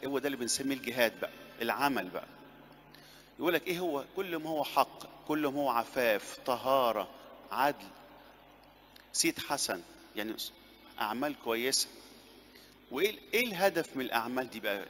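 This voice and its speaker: Egyptian male priest, mid pitch, plain conversational sermon delivery, church reverb, faint hiss. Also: a bit bright. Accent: Egyptian Arabic. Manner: conversational preaching with rhetorical questions and repeated phrases. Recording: long church reverb, faint background noise.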